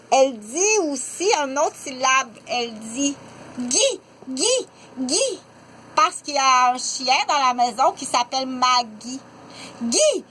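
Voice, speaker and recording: A woman's voice: high-pitched, a bit bright. A woman, giving an informal, patient teaching talk about how young children learn to speak. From Quebec. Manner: explanatory, patient, addresses listener directly.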